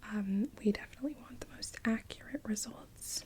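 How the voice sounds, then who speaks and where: A woman whispering. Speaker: ASMR creator. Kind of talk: medical roleplay, audiologist-style ASMR. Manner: soft-spoken, whispery, slow.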